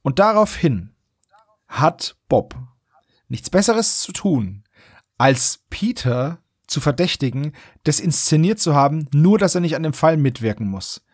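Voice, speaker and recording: Casual male podcast host, slightly high-pitched, colloquial recapper with mock outrage, dry studio-like sound. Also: big pitch swings, measured pace, husky, no echo. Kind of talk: casual chat, recapping and commenting on an audio drama.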